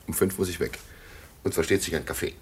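A man's voice: deep voice, steady tone, brisk, breathy edge. An actor playing a jovial, worldly traveling businessman in a German radio play, opinionated and fond of anecdotes and maxims. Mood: genial storytelling.

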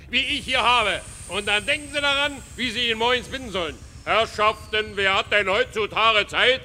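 An actor playing a brash, wisecracking street hawker, declaiming a sales patter in a radio drama. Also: male voice, very high-pitched, pushed and bright, full character voice. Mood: loud salesmanship. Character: brash, wisecracking Berlin street hawker selling cheap wares. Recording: long reverb, faint street traffic noise.

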